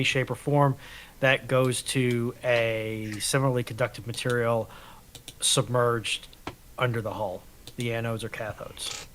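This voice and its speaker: A man of average pitch explains things off the cuff. His delivery is measured and halting, and there is a little noise and clicking on the recording. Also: fairly bright tone. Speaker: live-stream panellist explaining technical history. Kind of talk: unscripted explanatory talk.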